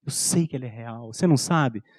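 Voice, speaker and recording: A Brazilian pastor in his thirties preaches in an intimate storytelling way, dropping his voice low when he acts out bedtime talk with his son. His voice sits in a middle pitch. The sound is dry and close, with no room echo. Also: brisk, darkish tone. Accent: Brazilian Portuguese. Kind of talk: sermon.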